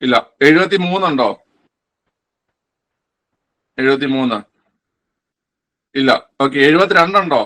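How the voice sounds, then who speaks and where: Leading an online quiz for exam aspirants, this male teacher keeps a measured pace broken by long pauses. His voice is bright and a bit high. He speaks casually, repeating every answer and often supplying his own.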